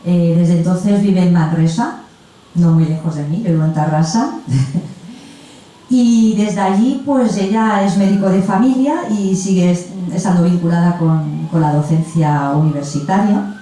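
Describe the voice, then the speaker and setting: Recorded in an echoey festival event room through a distant mic with faint background noise, a woman hosts a literary panel. Her voice is lowish, dark and a little slow as she introduces the guests in a gushing, chatty, casual way.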